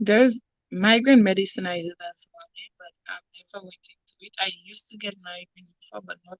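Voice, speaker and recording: The speaker has a strong Saint Lucian accent and a fairly quick pace, with big swings in loudness. The sound is dry and close, with no echo. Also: woman. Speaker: beauty vlogger. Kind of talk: casual chat during livestream. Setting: livestream video.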